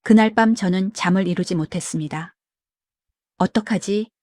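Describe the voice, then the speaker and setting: A woman narrating a scripted family drama in a plain, even storytelling voice. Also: mid-range voice, normal speed, no room sound, clean studio sound.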